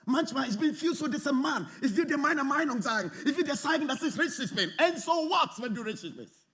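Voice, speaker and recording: High-voiced, animated male preacher. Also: a little fast. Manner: animated, lively, often acts out quoted arguments; non-native German grammar, mixes in English phrases. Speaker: pastor. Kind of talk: sermon.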